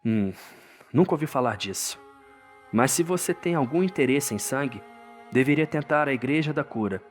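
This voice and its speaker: A man's voice: mid-range voice, lively intonation, normal speed, voice pushed up, close to an everyday voice. Casting: male narrator as sickly stranger in a cursed gothic town, weary, courteous, resigned, over music. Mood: weary warning. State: chronic cough, ailing. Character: sickly, weary, helpful foreign townsman named Gilbert. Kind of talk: dark fantasy game audio drama acting. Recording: music behind the voice.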